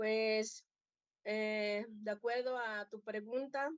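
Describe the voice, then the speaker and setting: This woman's voice sits rather high. Her melody stays mostly level. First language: Nahuatl (speaking Spanish). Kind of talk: panel discussion.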